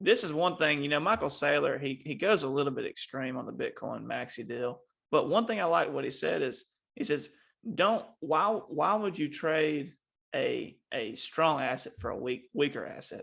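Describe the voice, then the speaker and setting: A man talks at a moderate pace. He speaks with a Southern US accent. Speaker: crypto podcast host. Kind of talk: casual chat.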